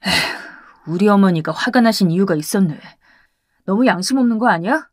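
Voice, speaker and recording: A woman's voice: mid-range voice, lively intonation, normal speed, no room sound, clean studio sound, lightly acted. A woman voicing an angry young man who scolds his girlfriend in a raised voice. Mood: scolding. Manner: sharp, raised voice.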